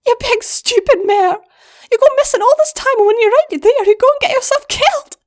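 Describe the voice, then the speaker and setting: Timid crybaby goblin filly, breathless and very high-pitched. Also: female voice, brisk, a little mellow. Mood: tearful. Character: very young tearful female goblin filly.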